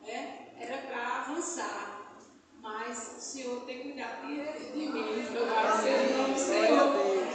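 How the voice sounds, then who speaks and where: High-voiced Brazilian woman preaching in echoey hall. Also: a little hiss or hum. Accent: Brazilian Portuguese. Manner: fervent, peppers speech with "né?" tag questions and praise shouts. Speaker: missionary preacher. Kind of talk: sermon. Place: church hall during a family service. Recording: echoey church hall, mic far off.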